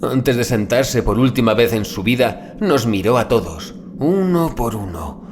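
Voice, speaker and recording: A man reading a scripted horror story as an audiobook narrator, in a grave, deliberate dramatic manner with drawn-out phrase endings. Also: mid-range voice, animated, noisy background. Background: music bed.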